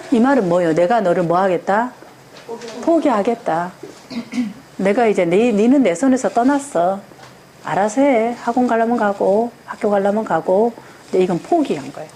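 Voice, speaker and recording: A woman's voice: mid-range voice, slight background noise. A woman teaching a parenting class, lecturing to a room of parents and asking them rhetorical questions. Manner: animated, asks the audience rhetorical questions. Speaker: parenting education instructor.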